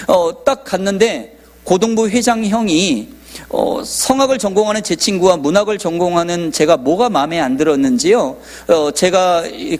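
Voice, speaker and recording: A man in his forties, a pastor telling a personal testimony in a sermon and acting out dialogue. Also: high voice. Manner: storytelling, acting out quoted dialogue.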